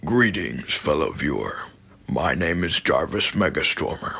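A man talks at a moderate pace. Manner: formal, stately, polite.

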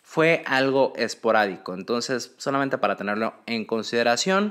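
A man's voice with very wide pitch swings, a moderate pace, and a quiet background. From Mexico, Acapulco (Guerrero); Guerrero, Mexico. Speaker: tech YouTuber. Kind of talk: product review. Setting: on location while traveling, not usual studio. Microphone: handheld.

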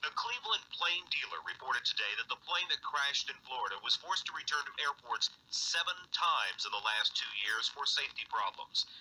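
Pausing little, a man speaks at a moderate pace and medium pitch, his tone bright and sharp and his intonation lively.

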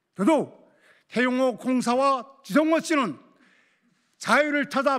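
A man with an extremely high pitch and ordinary pitch variation, at a very slow pace against a quiet background. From North Korea. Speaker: activist. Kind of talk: prepared statement. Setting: press conference room. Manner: formal. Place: hall. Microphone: podium.

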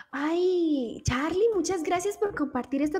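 A woman talks at a fairly slow pace. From Colombia, Cúcuta; Colombia. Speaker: Spanish tutor. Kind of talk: casual chat. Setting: video call. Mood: warm, encouraging. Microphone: webcam.

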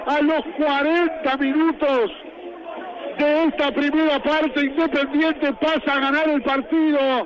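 A man speaks very slowly at an extremely high pitch, with fairly even intonation and very even loudness. Noticeable background noise runs underneath. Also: dry sound with no echo. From Argentina. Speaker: football commentator. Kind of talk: live commentary. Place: stadium. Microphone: handheld.

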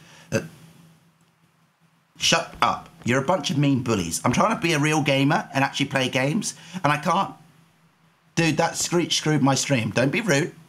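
In a British accent, a man with a fairly high pitch talks at a moderate pace with lively intonation and long, frequent pauses. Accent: British-sounding. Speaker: gaming streamer. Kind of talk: live gaming stream commentary. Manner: animated.

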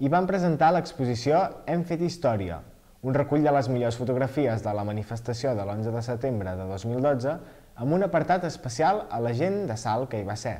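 A man with a dark, mellow tone and lively intonation talks at a moderate pace against a quiet background. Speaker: news presenter and weather forecaster. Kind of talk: news reading. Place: studio.

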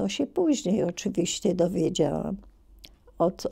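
A woman speaks against a quiet background. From Poland, Poznań; Poland. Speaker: oral history witness; witness. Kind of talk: oral history testimony; interview answer. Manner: halting. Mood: quiet, reflective, somber. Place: home room.

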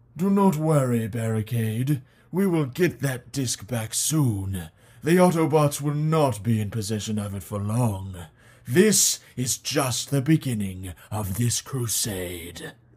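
On a very clean recording with a silent background, a man speaks at a fairly slow pace. His pitch sits in the medium range but swings very widely. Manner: cold, logical, composed.

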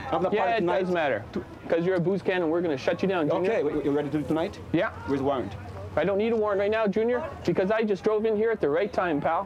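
A man with a high voice rushes along at a very fast pace, his loudness very even and his pitch varying an ordinary amount, while music plays clearly in the background. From British Columbia, Canada. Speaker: police officer. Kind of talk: confrontation. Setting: outdoors. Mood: firm, confrontational. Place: street. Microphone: camera far.

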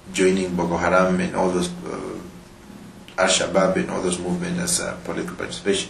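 Fairly quick speech from a man comes with light background noise and audible room echo. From Namibia. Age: young. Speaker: politician. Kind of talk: interview answer. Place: hall.

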